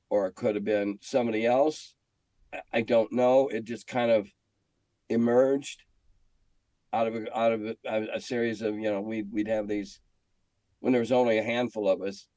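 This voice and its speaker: An older American man telling stories casually in an interview, candid and halting, often clearing his throat. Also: mid-range voice, darkish tone, no room sound. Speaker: interview guest, game industry veteran. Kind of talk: casual reminiscing conversation.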